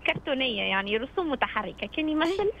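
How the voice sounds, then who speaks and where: On a noisy, muffled phone call to a radio phone-in, a nineteen-year-old amateur voice actor with a Tunisian accent talks in a high, very animated voice at a quick pace. She stays casual but hesitant, often searching for words.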